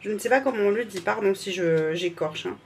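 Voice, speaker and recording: A woman vlogger gushes in casual chat, stumbling, restarting and apologizing as she reads out names and labels. Her voice is mid-range and a little fast, with a bit of hiss or hum in the audio.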